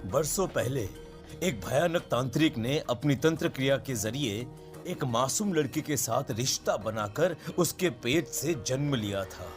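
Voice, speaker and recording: A man playing a grave, foreboding Hindu priest in an animated horror story, solemn and commanding. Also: medium pitch, measured pace, soft background music, lightly acted. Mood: ominous.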